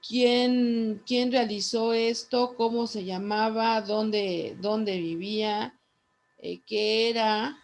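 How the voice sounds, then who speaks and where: Woman teacher slowly dictating notes. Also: on the high side, fairly even intonation, slight background noise. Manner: slow, deliberate dictation with repeated phrases. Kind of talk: dictating a class lesson.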